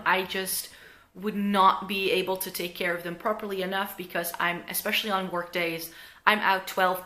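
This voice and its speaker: This young Dutch woman, a beauty vlogger, speaks to a close-range camera in her living room with a sharp-toned, mid-range voice. She chats casually and rambles, using lots of fillers, in an accent that blends Dutch and American.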